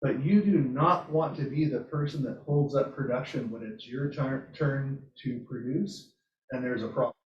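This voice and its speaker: At a hybrid robotics club meetup, a man with a mid-range voice speaks at normal speed, giving an informal presentation in a meeting room. He tells his story anecdotally, voicing his own reactions along the way. The mic sits far from him, so the roomy space sounds echoey and slightly muffled.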